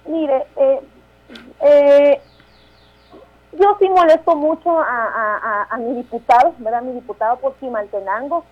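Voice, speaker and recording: A Guatemalan woman in her thirties, a town mayor speaking as a radio interview guest, halting with restarts and tag questions. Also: sits high, muffled recording. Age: 30s.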